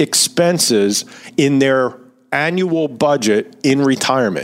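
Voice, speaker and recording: A man with an ordinary speaking voice talks at a fairly high pitch. His intonation is lively. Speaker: financial advisor. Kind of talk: radio show discussion.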